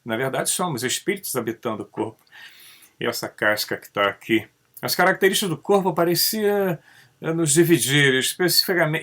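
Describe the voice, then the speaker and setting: A man talks in a loose, conversational monologue, his voice sitting at a middling pitch. He keeps checking in with a questioning "né" and his delivery rises and dips animatedly as he goes. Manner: conversational, tags sentences with "né?"; animated, pitch rising and dropping often. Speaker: channel host. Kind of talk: casual monologue on ufology.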